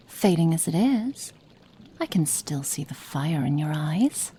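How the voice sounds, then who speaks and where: A cruel, cold witch, as a woman plays her in an ASMR roleplay, slow and menacing. Her voice sits a little low and she draws every word out. She slips into hushed whispers between threats. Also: breathy edge, heavily acted. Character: cruel, cold female witch experimenting on a captive.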